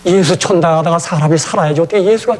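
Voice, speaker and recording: A man's voice: fairly high pitch, fast, lightly acted. A man putting on an old male preacher with a North Korean accent, praying insistently. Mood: pleading. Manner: pleading, insistent prayer.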